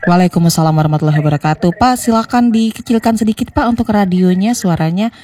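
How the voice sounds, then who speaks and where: A woman hosting a radio call-in show, brisk and courteous as she directs callers. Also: on the low side, crowd noise. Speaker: radio host.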